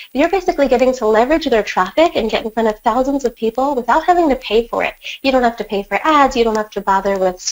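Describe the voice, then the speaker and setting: An enthusiastic, very fast woman's voice, fairly high in pitch, with ordinary pitch variation. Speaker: online business coach. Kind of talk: live webinar presentation. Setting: live webinar with chat.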